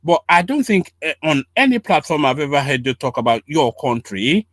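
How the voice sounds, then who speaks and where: Host, man, high lively voice, relentless questioning, dry close mic. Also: moderate pace, no echo. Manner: pressing, repetitive, talks over the guest. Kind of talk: heated live panel debate.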